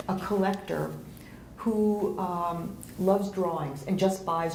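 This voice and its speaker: A woman's voice over noticeable background noise. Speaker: auction house art specialist giving a talk. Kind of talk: lecture to an audience about artworks. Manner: conversational, hesitant with fillers.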